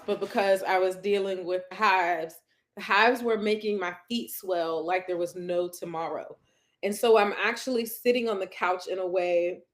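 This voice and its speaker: A woman lifestyle coach, hosting a casual live stream from her couch at home, greeting viewers and reading their comments aloud in an effusive, chatty way. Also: medium pitch.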